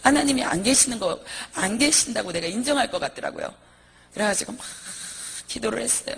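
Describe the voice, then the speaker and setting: A woman's voice: a little high, animated, fairly quick, vocal fry, husky. A woman minister giving an earnest, vivid personal testimony, reliving her pleading prayers as she tells the story.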